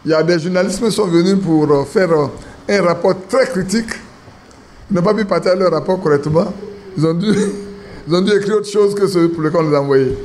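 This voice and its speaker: A man's voice: high voice, a little fast, a little mellow, a little hiss or hum. A man preaching an informal sermon to his church, talking casually and asking the congregation questions. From Ivory Coast. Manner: conversational, asks the congregation questions. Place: church assembly.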